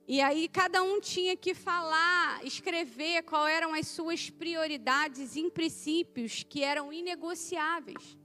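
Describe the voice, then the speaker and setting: Very high-voiced woman preaching. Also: pushed and bright. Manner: emphatic, conversational preaching. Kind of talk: sermon.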